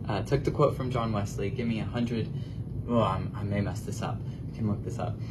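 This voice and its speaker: Against loud background noise, a man talks at a fairly quick pace. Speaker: young preacher. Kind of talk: sermon. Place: meeting room. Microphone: camera far.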